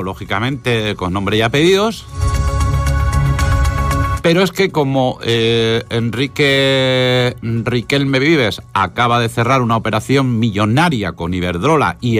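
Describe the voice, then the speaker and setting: A radio host with an accent from Spain, commenting on the news informally in a halting, wry way with pauses for emphasis. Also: male voice, mid-range voice, expressive, music in the background. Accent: Spanish from Spain.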